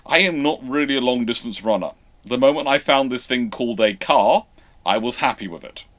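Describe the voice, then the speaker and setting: A man hosting an informal live question-and-answer stream, explaining in a rambling, halting way with repeated false starts. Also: mid-range voice, a bit bright. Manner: over-careful emphasis on some words. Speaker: host of live naval history Q&A stream.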